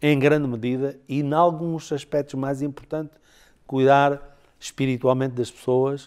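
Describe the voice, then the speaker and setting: Fairly high in pitch, a man talks at a fairly slow pace with monotone, flat intonation. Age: 60s. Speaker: association president. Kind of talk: interview.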